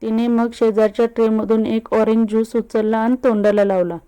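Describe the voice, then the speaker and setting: A woman narrating a love story in an even, unhurried storytelling manner. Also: fairly high pitch, clear, resonant tone.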